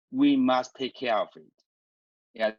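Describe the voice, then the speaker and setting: A man with a Chinese accent at a medium pitch, speaking at a fairly slow pace. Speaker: crypto company CEO. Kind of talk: panel discussion. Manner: halting.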